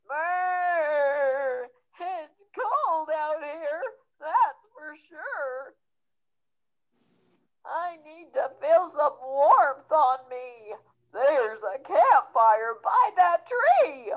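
A woman doing a loud sing-song snowman. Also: high voice, animated, very slow, lo-fi sound, exaggerated voice. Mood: shivering. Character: cheerful chilly male snowman.

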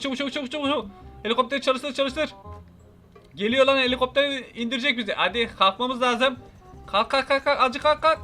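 A man narrates his video game in a high, bright voice, excited and joking, talking straight to his viewers. He often shouts as the action heats up, with faint music behind him. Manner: shouty, playful, talks to viewers. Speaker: gaming channel host.

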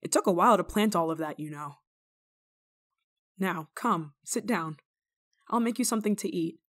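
A woman's voice: on the low side, close to an everyday voice. Bold, theatrical village nun played by a woman. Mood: softening, matter-of-fact. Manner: theatrical, scolding, teasing, dramatic pauses. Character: bold, stern but kind-hearted village nun. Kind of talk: ASMR roleplay monologue, dramatic acting.

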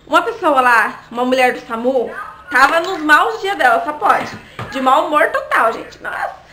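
A woman's voice: high-pitched, animated, normal speed, bright, forceful tone, slight background noise. A young adult woman telling a story in a casual vlog, chatty and often turning to her viewers. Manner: chatty, often asks the audience "né, gente?". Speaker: vlogger.

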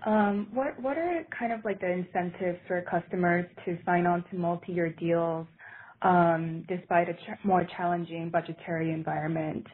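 A woman's voice: fairly low pitch, steady tone, normal speed, slightly rough. A woman asking a follow-up question on a conference call as a financial analyst. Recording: faintly noisy narrowband phone line.

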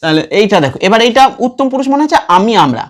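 A man teaching a lesson. He patiently recites verb forms over and over in a slow chant and keeps checking that students follow. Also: high-pitched, very animated. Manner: checks in with listeners often. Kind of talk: classroom lesson with recitation drills.

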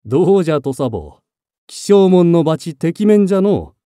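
A man's voice: mid-range voice, lively intonation, slow pace, dark tone, no echo, studio quality. A man voicing a commanding young samurai lord who declaims boldly and proudly. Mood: mocking.

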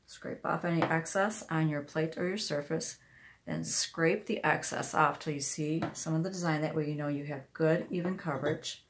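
A woman's voice: low voice, steady tone, moderate pace, slight background noise. A woman giving a casual hands-on craft demonstration, talking herself through each step. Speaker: craft tutorial host, independent product demonstrator. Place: indoors at a wooden craft table.

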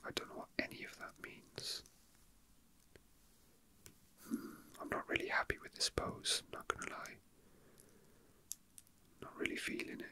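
A man whispering in a breathy, unvoiced voice, rambling casually and a little hesitantly as an ASMR host, musing to himself. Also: a little slow, pauses often, bright, forceful tone.

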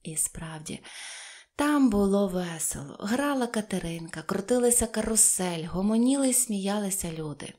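Woman audiobook narrator, gentle children's storytelling. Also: mid-range voice, animated, moderate pace, hardly any pauses. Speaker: audiobook reader.

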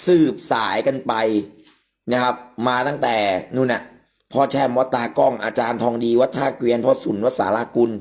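A man hosting a live stream about amulets, talking in an emphatic, explanatory way. He uses a lot of polite particles and points out details as he goes. His pitch sits in an ordinary middle range for a man. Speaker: amulet expert host.

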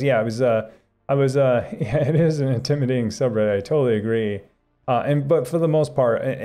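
A man's voice: lowish voice, warm tone. A man hosting a live stream, chatting casually with viewers in a rambling way with many fillers and restarts. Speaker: livestream host. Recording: faint background music.

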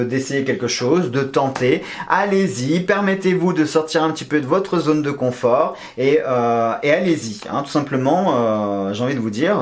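A man giving a casual weekly horoscope reading, joking around and counting scores aloud. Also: mid-range voice. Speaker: astrology and tarot reader.

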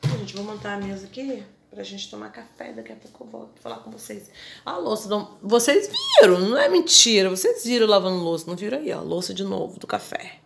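Chatty woman with a gravelly voice. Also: mid-range voice, very animated, fast, slight background noise. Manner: chatty, gushing, addresses viewers as "gente". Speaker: home vlogger. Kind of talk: casual home vlog. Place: house porch and kitchen at dusk. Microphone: handheld phone at arm's length.

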